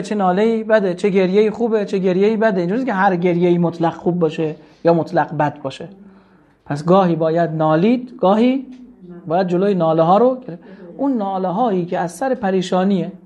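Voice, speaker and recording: A man giving a lecture on classical poetry, reciting verses slowly and then asking and answering his own questions in a casual teaching tone. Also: high voice, a little mellow, dull audio. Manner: colloquial, explanatory teaching tone.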